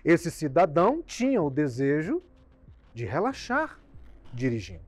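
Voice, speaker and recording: A Brazilian man, a doctor, explaining habits in an emphatic talk that swings from loud bursts to quiet endings. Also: fairly high pitch, huge pitch swings, a little slow, no room sound. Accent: Brazilian Portuguese.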